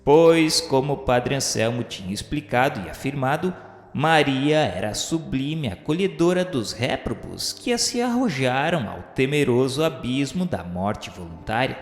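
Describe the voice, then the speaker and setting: A man reading the narration of a radio serial in a solemn, measured way, with faint music behind him. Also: mid-range voice, big pitch swings. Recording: reverberant room with faint music. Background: faint background music.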